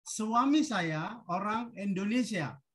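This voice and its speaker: A woman teaching a language, reading short model sentences in a deliberate, instructional manner for repetition. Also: medium pitch, lively intonation, husky.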